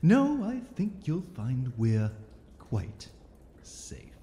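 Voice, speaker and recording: An actor playing a stern, contemptuous sorcerer interrogator in a fantasy audio drama, imperious, menacing and deliberate. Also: male voice, medium pitch, huge pitch swings, dark tone, full character voice. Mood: menacing contempt. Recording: long echoing reverb, noisy ambience.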